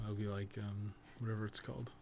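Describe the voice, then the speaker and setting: Man casually streaming over clear background noise. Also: lowish voice, flat delivery, quick pace. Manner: profane, joking. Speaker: live streamer, podcast co-host. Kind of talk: casual video game stream commentary, chatting with viewers.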